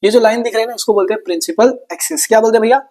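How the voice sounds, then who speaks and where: Chatty and playful, a high-pitched man with a darkish tone runs an exam-prep science lesson. He fires off questions and then responds to them as a student would, switching between teacher and student in rapid exchanges.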